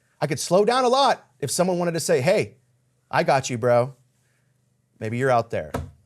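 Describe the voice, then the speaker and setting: In a very clean recording with a silent background, a man with an American accent and fairly high pitch sounds animated, his pitch swinging very widely between long, frequent pauses. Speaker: political commentary show host. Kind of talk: political commentary monologue. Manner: fast.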